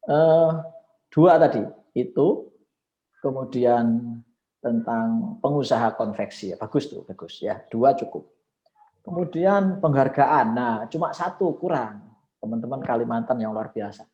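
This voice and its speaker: A man coaching public speaking on a video call, with lively swings of intonation and frequent exclamations. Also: medium pitch, unhurried, muffled recording. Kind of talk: coaching session with live speech demos. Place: online video call session.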